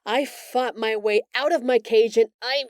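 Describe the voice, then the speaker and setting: Woman voicing a slow-spoken, gentle, remorseful alien woman. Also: on the high side, no echo, clean studio sound, close to an everyday voice. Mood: bitter, intense. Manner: earnest, hesitant, emotional, with sighs and pauses. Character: gentle, remorseful female alien, empathetic, recounting her escape from captivity. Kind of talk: intimate audio roleplay monologue.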